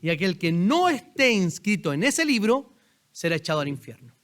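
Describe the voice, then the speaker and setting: A man's voice: high-pitched, very animated, moderate pace, fairly bright tone. A man with a Chilean accent preaching a sermon as pastor in a church, talking conversationally and putting questions straight to the congregation. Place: church sanctuary.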